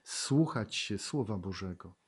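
With a fairly low, husky voice, a man delivers a sermon in an animated but unhurried way. He reads Bible verses and explains them, puts questions to the congregation, laughs often, and shifts from loud outbursts to hushed tones.

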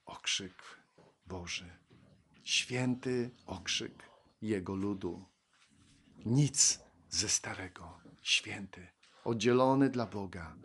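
A man preaching a sermon, reading Bible verses and speaking slowly and reflectively, then rising into fervent exclamations. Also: on the low side, a bit bright, husky.

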